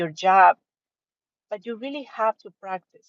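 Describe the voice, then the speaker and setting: Here a woman speaks in a Spanish accent. Her pace is moderate. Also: dry, close sound with no echo. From Ecuador. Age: 40s. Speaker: vlogger practicing English. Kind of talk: casual live monologue. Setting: in a car. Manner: halting.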